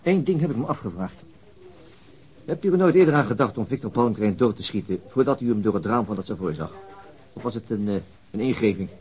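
A man's voice: on the low side, lively intonation, brisk, a little mellow, muffled recording, close to an everyday voice. An actor playing a gloomy, bitter middle-aged chief inspector and father in a radio drama, blunt and sardonic. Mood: probing, measured. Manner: grumbling, sardonic, blunt and coarse. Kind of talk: naturalistic radio drama acting.

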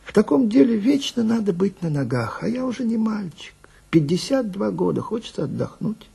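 Casting: male actor as genteel male swindler, fifties, obsequious and plaintive, very husky and gravelly, radio storytelling. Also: high-pitched, big pitch swings, moderate pace, dark tone, pitched above the performer's own voice, heavily acted. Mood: weary. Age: 50s. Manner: obsequious, sighing, wheedling, self-righteous. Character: polite, plaintive 52-year-old male marriage swindler with dignified airs. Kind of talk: dramatic monologue, character dialogue.

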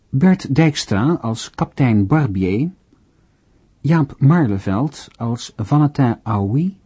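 Male announcer, formal credit reading, dark husky tone, measured delivery. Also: mid-range voice. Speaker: radio drama announcer. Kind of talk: scripted closing credits reading.

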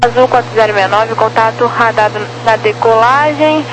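A woman's voice: a little high, normal speed. A Brazilian woman working as an air traffic controller, giving clipped procedural instructions over crackly aviation radio. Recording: noisy crackly aircraft radio channel.

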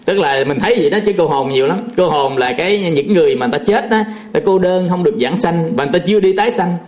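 A man's voice: a little high, expressive, very fast. A man, a Buddhist monk telling a folksy, chuckling story in a sermon, full of fillers.

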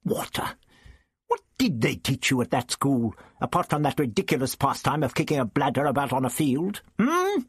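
A man voicing a crotchety, lofty elderly time traveller, with a husky voice in a dismissive, lecturing manner. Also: mid-range voice, big pitch swings, a little fast, hardly any pauses, dry recording, clean studio sound, pitched above the performer's own voice. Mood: testy.

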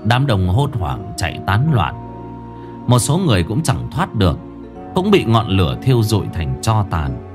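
A man's voice: lowish voice, huge pitch swings, normal speed, over music. A man narrating a ghost story in a dramatic storytelling manner.

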